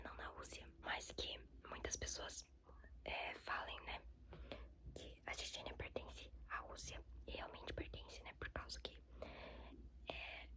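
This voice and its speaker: Whispering to her viewers, this young ASMR creator rambles along with many fillers in a Brazilian Portuguese accent.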